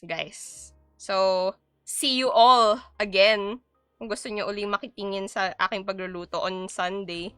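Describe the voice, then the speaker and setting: Playful Filipino woman streaming, bright voice. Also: mid-range voice, clear, resonant tone, no echo. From Philippines. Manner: playful, chatty, switching between Tagalog and English. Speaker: VTuber streamer. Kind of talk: casual live-stream chat while cooking.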